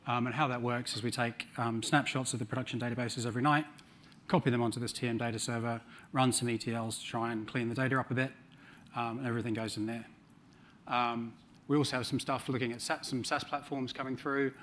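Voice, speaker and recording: A man's voice: medium pitch, steady tone, quick pace, fairly bright tone, a little hiss or hum. A middle-aged man with a New Zealand accent giving a conference talk on a large stage, with dry humor and frequent ums. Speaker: conference speaker.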